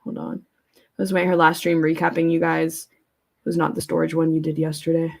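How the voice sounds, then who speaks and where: A woman streams casually in a low-pitched, flat, fairly quick voice with vocal fry and a slightly mellow quality. As host she rambles and thinks aloud, bluntly and informally, swearing freely while commenting and reading viewers' messages aloud.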